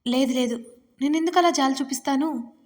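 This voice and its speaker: A woman's voice: fairly high pitch, fairly even intonation, normal speed, close to an everyday voice. A woman voicing a tearful young wife who pleads emotionally in an audio story. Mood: pleading.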